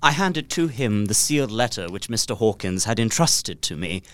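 A man's voice: on the low side, animated, normal speed, fairly bright tone, dry recording. An actor playing an earnest young solicitor, narrating his journey formally in a dramatised Gothic story. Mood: composed, relieved. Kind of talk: dramatic first-person literary narration.

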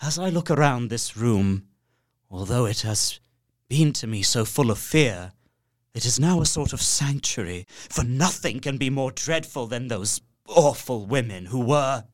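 A man's voice: mid-range voice, lively intonation, measured pace, no echo, lightly acted. An actor playing a horrified young solicitor, narrating his journal in an earnest, formal way for a radio play. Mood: shaken. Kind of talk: dramatic first-person narration, radio play.

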